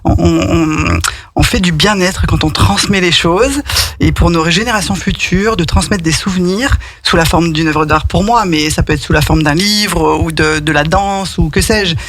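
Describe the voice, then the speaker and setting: A woman speaking as a radio guest in a very dry recording. Her voice sits fairly low to medium for a woman, and she reflects in a halting, conversational way. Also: no room sound.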